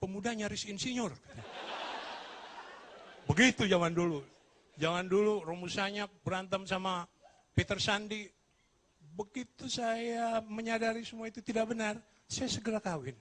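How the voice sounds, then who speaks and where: A stand-up comedian from Madura, delivering self-mocking jokes with deadpan punchlines. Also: male voice, high-pitched, moderate pace. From Madura, Indonesia.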